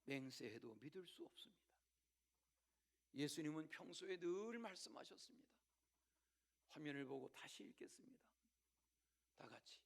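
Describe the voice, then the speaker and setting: A male pastor delivering a Sunday sermon at a church service. He tells the story dramatically, swinging between loud declarations and hushed whispers, and makes repeated direct appeals to the congregation. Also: on the high side, expressive, moderate pace, creaky, long pauses.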